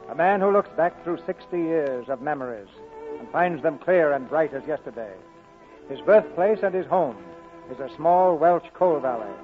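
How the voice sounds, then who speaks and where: A man hosting a 1940s radio theatre broadcast, reading scripted announcements. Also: fairly high pitch. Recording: muffled narrowband vintage radio broadcast.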